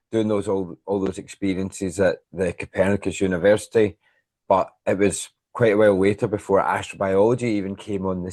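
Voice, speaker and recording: A man's voice: lowish voice, dark tone, no echo. A man hosting a conversational educational interview, encouraging his guest and summing up before he asks questions. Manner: encouraging, summarises before asking. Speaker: interviewer, host.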